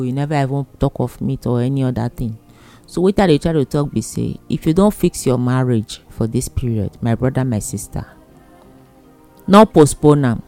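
A man with a Nigerian accent gives casual advice in Pidgin, speaking emphatically, repetitively and plainly. His voice is medium-pitched and warm.

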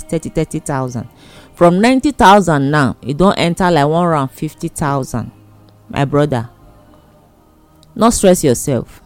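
A man's voice: fairly high pitch, dry recording. A man with a Nigerian accent giving casual advice in an emphatic, repetitive, plain-spoken way. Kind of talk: casual advice monologue in Pidgin.

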